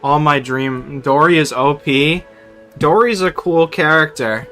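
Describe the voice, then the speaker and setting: A man's voice: a little high, measured pace, sharp tone. A young man chatting casually with viewers while streaming a game, slangy, joking and sweary. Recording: game music faintly behind.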